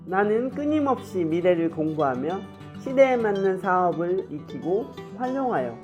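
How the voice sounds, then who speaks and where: A woman reading upbeat motivational narration, energetic and encouraging. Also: lowish voice, muffled recording, music in the background. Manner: upbeat, rapid, lively. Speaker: motivational channel host.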